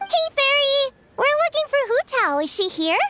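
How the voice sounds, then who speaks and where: A put-on character voice squeaks at an extremely high pitch with very wide pitch swings. The pace is moderate. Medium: video game.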